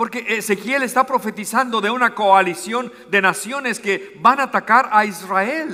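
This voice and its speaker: The speaker is a man. He uses a raised, projected voice. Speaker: pastor. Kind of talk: sermon. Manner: fast.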